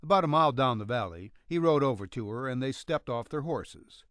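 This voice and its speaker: A man's voice: mid-range voice, lively intonation, brisk, fairly bright tone, dry recording, clean studio sound. A man narrating a western story as a scripted audiobook reading.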